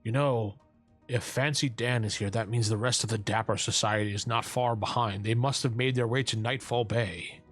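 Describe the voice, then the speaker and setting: A man running a tabletop session as game master, talking casually and joking as he goes. His voice sits at a middling pitch for a man, with faint music playing underneath. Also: fairly even intonation, normal speed, a bit bright. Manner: jokey, laughs often, slips into silly voices.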